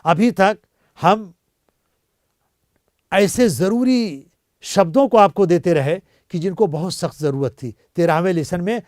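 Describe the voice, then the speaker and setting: A man teaching a language lesson, repeating each word slowly several times and asking learners to say it after him. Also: high-pitched, a little mellow, dry recording, clean studio sound. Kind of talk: slow spoken lesson with repeat-after-me drills.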